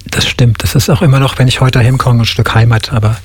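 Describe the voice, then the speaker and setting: A man from the Black Forest, talking relaxed and plainly as a guest on a radio show. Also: mid-range voice, fast talker, a little hiss or hum. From Black Forest, Germany. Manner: relaxed, plain-spoken, many fillers. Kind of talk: casual interview chat.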